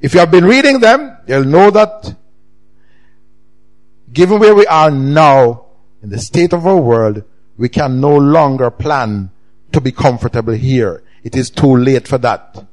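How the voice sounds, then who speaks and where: A middle-aged man with a Jamaican accent, preaching a sermon with emphatic swings in pitch and loudness. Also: lively intonation, a little slow. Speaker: pastor.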